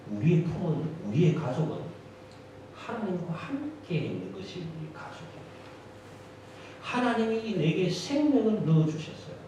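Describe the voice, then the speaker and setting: A man's voice: high-pitched, a little mellow. A male pastor preaching a sermon with emphatic, rising and falling delivery in a church sanctuary. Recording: strong hall echo from a distant mic, faint noise.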